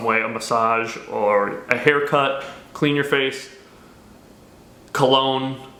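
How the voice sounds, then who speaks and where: Noticeable background noise and audible room echo surround the voice. A man speaks at a medium pitch. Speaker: street magician and YouTuber. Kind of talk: casual vlog advice talk. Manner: mumbling, stumbling over words.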